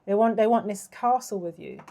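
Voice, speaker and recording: A woman's voice: medium pitch, brisk, creaky, mellow. A woman in her thirties doing a casual tarot reading, gushing and affectionate, her voice worn and partly lost. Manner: gushing, affectionate, with frequent laughs. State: losing her voice. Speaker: tarot reader.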